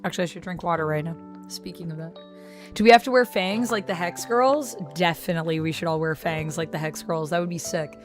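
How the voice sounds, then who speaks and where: A woman's voice: fairly low pitch, a little fast, music in the background. A woman chatting casually on her live stream, reading chat messages aloud and replying to viewers. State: recovering from vocal strain.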